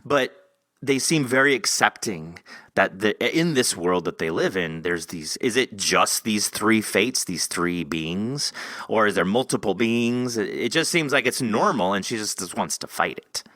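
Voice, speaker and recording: A man's voice: lowish voice, lively intonation, measured pace, fairly bright tone, no room sound. A man hosting an interview in a casual, rambling, informal way, often padding his sentences with conversational filler. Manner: rambling, informal, peppered with "you know". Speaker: podcast host interviewing an author.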